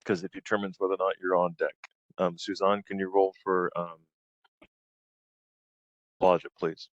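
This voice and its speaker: Man, game master, relaxed, ums, low voice. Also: moderate pace, no echo, lo-fi sound. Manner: relaxed, full of ums, laughs often. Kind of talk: running a tabletop game.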